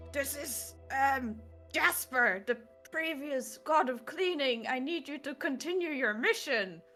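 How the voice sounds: Using a put-on character voice, a woman speaks at a high pitch and a fairly slow pace. Faint music plays in the background.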